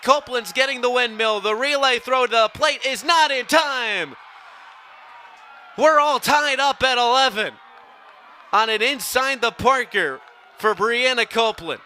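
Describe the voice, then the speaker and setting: A man's voice: very high voice, pushed and bright. A young man calling live sports play-by-play in a projected voice that rises for big plays. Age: young adult. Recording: faint ambient outdoor noise behind.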